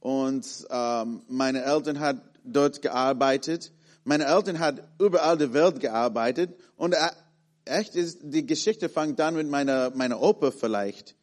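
A man in his thirties with an American accent, preaching in a halting way with many fillers and restarts as he searches for words. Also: mid-range voice. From born in Malaysia, raised in the USA and the Philippines. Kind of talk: sermon with personal story.

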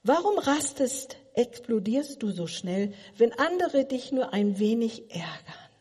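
A woman's voice: a little high, big pitch swings, a little slow, darkish tone, breathy edge. A middle-aged woman giving a sermon, asking her listeners earnest, probing questions. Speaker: preacher. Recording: long hall reverb.

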